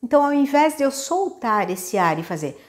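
A woman's voice: high voice, big pitch swings, normal speed. Brazilian woman teaching singing, patient and instructive. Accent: Brazilian Portuguese. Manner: patient, instructive, checks in with "tá?" often. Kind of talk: vocal lesson with demonstrations.

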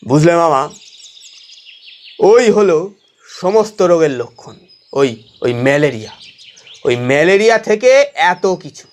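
A man's voice: fairly high pitch, animated, a little slow, pauses often. An actor playing a brash, boastful young man who plays doctor in a comic audio drama, theatrical and self-important.

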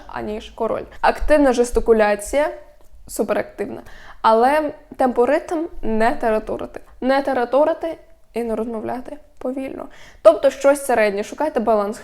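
Young female vlogger, instructive and steady, warm dark tone, slightly high pitch. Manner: instructive, steady, lists points one by one. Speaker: media coach vlogger. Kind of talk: explanatory talk to camera.

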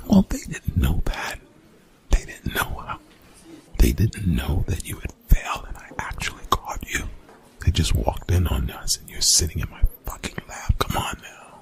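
A man playing a young college bully in an ASMR roleplay, gruff, defensive and grudgingly apologetic, in hushed, breathy, exasperated slang with swearing. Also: wildly swooping pitch, moderate pace, exaggerated voice. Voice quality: whispered, breathy, gravelly low voice.

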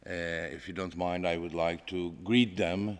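Hungarian guy in his 50s, low voice, lots of pauses, formal answers, echoey parliament hall. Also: fairly even intonation, clear, resonant tone. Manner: halting, hesitant with many pauses. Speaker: panel speaker answering questions. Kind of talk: formal question-and-answer speech. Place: large parliament chamber. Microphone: gooseneck desk microphone. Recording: echoey large hall, long reverb.

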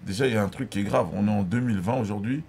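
A man's voice: on the low side, rapid-fire, creaky, breathy edge. A man in his thirties, a guest on a radio talk show, talking animatedly into a studio mic and cutting in on the others. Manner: animated, talks over others, gestures while speaking. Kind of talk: casual studio chat. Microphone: studio mic on boom, headphones.

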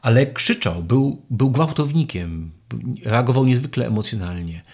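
A man's voice: mid-range voice, expressive, moderate pace, a little mellow, slightly rough. A man giving a spoken catechesis, reflective and searching for words, often restarting his phrases. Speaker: lecturer on faith.

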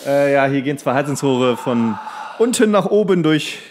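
A man's voice: medium pitch, lively intonation, moderate pace, a little mellow, slight background noise. A man co-hosting a podcast, chatting casually and telling anecdotes. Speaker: podcast co-host.

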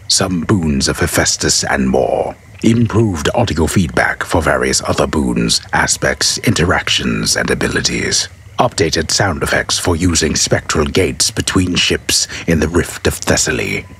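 A man with a gravelly, husky voice gives a solemn, theatrical dramatic reading of scripted notes in a stagey, drawn-out manner. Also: rumbling low, fairly bright tone, slight background noise.

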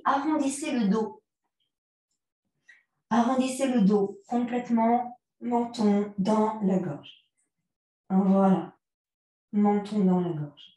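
Slow calm woman yoga teacher, echoey room. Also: medium pitch. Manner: calm, unhurried cues timed to the breath. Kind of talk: guided yoga class instruction. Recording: very echoey room, mic far off.

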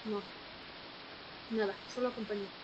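A woman's voice: mid-range voice, steady tone, normal speed, darkish tone, muffled recording, slight background noise, natural voice. A woman playing a guarded, mysterious woman in a radio drama, speaking in terse, cryptic lines. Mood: resigned. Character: guarded, mysterious woman who knows history's secrets. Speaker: supporting actor. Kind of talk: audio drama dialogue. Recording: music bed under the voice.

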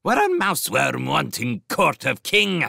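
A man's voice: a little high, big pitch swings, slow pace, creaky, pushed and bright, slightly rough, dry recording, clean studio sound, voice pushed up, full character voice. A man voicing a savage, wrathful sparrow king in an audiobook story, shrieking harshly and barking commands in broken, clipped grammar. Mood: contemptuous fury.

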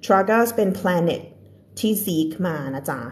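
A woman with a Thai accent teaching English on a live stream. She reads a storybook slowly and carefully, then explains it in quick, chatty Thai, laughing often and greeting viewers by name. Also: lowish voice, warm tone.

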